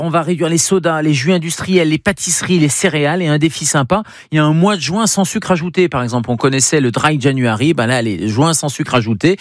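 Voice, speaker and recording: A man's voice: fairly high pitch, no room sound, clean studio sound. A man, a doctor, giving a radio health segment in an upbeat, teaching manner. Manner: didactic, upbeat, lists advice.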